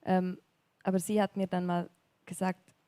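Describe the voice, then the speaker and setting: A woman's voice: fairly low pitch, flat delivery, no room sound. A young woman from Graubünden with a Swiss accent, speaking hesitantly and reflectively as a guest telling her life story on a church stage. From Graubünden, Switzerland. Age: young adult. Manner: soft, hesitant, reflective, with frequent pauses and fillers. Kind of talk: personal testimony interview in a church service.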